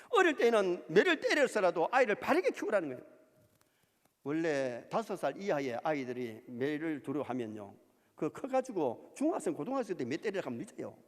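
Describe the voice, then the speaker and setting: High, lively preaching man in a reverberant hall. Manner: lively preaching with rising emphasis and quoted asides. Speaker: pastor. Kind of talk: sermon.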